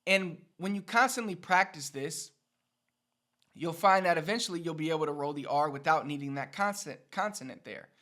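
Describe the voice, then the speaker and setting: A man's voice: fairly high pitch, brisk, bright, forceful tone. A man giving a casual pronunciation lesson as a teacher, demonstrating rolled R trills and syllables between his explanations.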